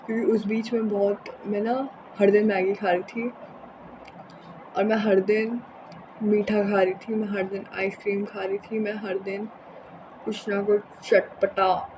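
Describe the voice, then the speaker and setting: A young woman with a hoarse, sore throat chats casually and unscripted in a rambling home vlog, mixing in English words. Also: medium pitch, flat delivery, a little slow, background noise. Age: young adult. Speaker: vlogger. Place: indoors in a room at home.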